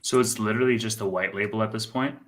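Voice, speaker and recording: A man's voice: fairly low pitch, steady tone, fast talker, a bit bright. A man in his late twenties co-hosting a casual podcast, asking articulate, probing questions. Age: 20s. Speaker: podcast co-host.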